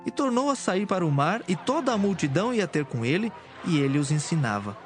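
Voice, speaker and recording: A man's voice: sits high, sing-song, a little fast, faint music behind. A man narrating a dramatized audio Bible in a solemn, formal storytelling style.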